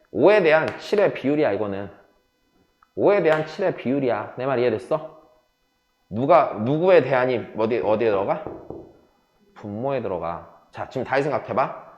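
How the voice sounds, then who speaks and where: Teaching math in a classroom lecture, this man speaks in a mid-range voice that sounds roomy. He moves between casual and polite speech, frequently checking that students follow along.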